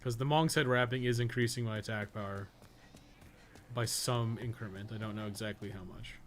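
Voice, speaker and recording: A man's voice: on the low side, fairly even intonation, moderate pace, faint music behind. A man giving casual, rambling live commentary while playing a video game, with some swearing and self-amusement. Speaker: video game streamer and podcast co-host.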